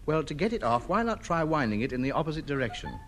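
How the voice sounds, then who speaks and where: A pompous, indignant has-been. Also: male voice, a little high, sing-song, fast, a little hiss or hum. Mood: bantering. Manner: indignant and self-important. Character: pompous, vain man clinging to faded grandeur. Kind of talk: 1950s radio sitcom acting. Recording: old radio broadcast.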